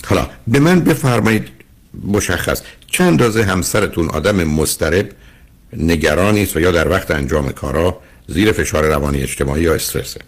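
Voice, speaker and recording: An older man with a husky voice, a radio counseling host giving earnest, lecturing advice to a caller. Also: low voice.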